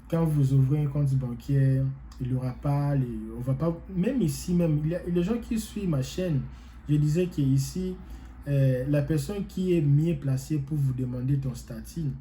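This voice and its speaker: Rambling man with a very dark voice. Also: medium pitch, slight background noise, low-quality recording. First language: not French. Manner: rambling, repeats himself, many hesitations. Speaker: vlogger giving advice. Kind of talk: casual advice talk to viewers.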